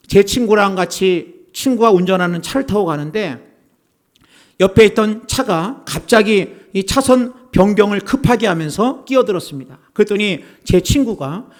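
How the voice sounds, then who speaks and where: A man's voice: high voice, animated, normal speed. A man as pastor giving a Sunday sermon, preaching earnestly and often turning to speak straight to his congregation. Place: church service.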